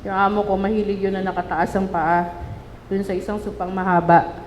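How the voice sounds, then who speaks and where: Halting Filipina woman testifying in echoey hall. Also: mid-range voice, little pitch movement. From Philippines. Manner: halting, many restarts and fillers, polite "po". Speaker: witness giving public testimony. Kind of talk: emotional personal testimony. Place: large public hall. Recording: echoey hall, faint room noise.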